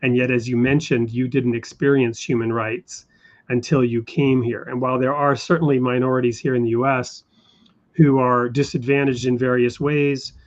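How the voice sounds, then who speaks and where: Male interview host, measured and thoughtful, mid pitch, dull lo-fi sound. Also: level tone. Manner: measured, thoughtful with frequent fillers. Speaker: show host. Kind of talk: interview conversation.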